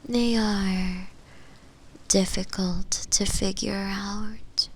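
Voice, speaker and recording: A woman voicing a possessive female shadow demon in a breathy, hesitant, musing whisper for an ASMR roleplay. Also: fairly even intonation. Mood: soft, relieved. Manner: slow, hesitant, musing, with pauses. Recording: close whisper with low rumbling noise.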